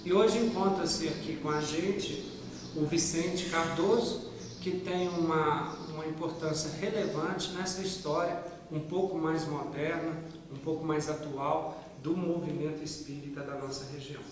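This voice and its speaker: Guy interviewing someone, kinda formal and measured, slightly high voice, echoey and far from the mic with hiss. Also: fairly even intonation. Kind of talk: oral-history interview questions.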